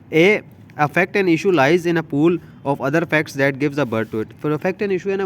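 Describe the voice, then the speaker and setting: Pakistani guy doing a lecture, voice a bit on the high side, repeats stuff to explain it, some background noise. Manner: repetitive, explains with everyday examples and frequent check-ins. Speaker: law lecturer. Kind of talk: explanatory lecture, reading out English text and explaining it informally.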